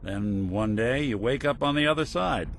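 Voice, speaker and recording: An actor playing a weary, considerate android private detective in a video game, steady and reflective. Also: male voice, mid-range voice, moderate pace. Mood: wistful. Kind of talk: video game character acting.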